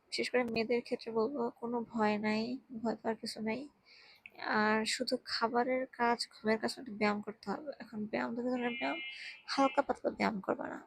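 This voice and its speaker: Young woman whispering-soft into a handheld mic lying down, drowsy, raspy fry, dry sound. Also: fairly high pitch, dry recording, poor audio. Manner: hushed, speaking very softly. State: tired, drowsy. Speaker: vlogger. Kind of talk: casual health advice chat. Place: lying down at home. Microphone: handheld microphone.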